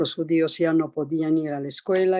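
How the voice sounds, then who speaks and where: A woman's very deep, low voice, dark and mellow in tone with fairly even intonation, in dry, close sound with no echo and a very clean recording with a silent background. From Italy (Fiume/Rijeka). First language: Italian (speaking Spanish). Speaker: Holocaust survivor. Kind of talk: testimony.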